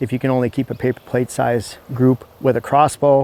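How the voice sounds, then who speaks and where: A man talks at a fairly quick pace and medium pitch. His tone is dark and mellow, his intonation monotone and flat. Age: 40s. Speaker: deer hunting educator. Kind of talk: tutorial. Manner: casual, with frequent fillers.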